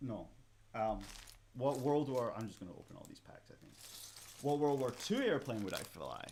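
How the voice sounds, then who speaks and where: A man with a Scottish accent talks at a moderate pace in a medium pitch with ordinary pitch variation. Long, frequent pauses and big swings in loudness come through amid audible room echo. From Scotland, east coast. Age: 30s. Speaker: museum staff presenter, live streamer. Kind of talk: casual live stream chat while building a model kit. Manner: casual, many fillers (um, you know).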